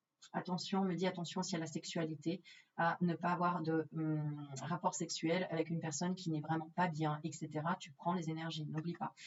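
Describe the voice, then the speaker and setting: A woman speaks in a somewhat breathy, fairly low voice. Her intonation is monotone and flat. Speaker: medium and personal development guide. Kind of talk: tarot reading video. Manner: fast; hesitant, many fillers.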